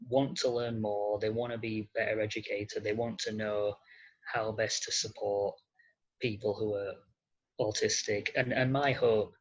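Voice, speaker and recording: Podcast guest: husky and unhurried, halting as they search for words, dull lo-fi recording. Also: mid-range voice. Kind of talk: interview conversation. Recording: muffled lo-fi audio.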